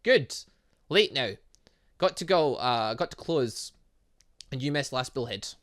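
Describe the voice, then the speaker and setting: A man's voice: mid-range voice, expressive, measured pace, fairly bright tone. A man voicing a curt shopkeeper from a visual novel game, in clipped, terse phrases. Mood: brisk.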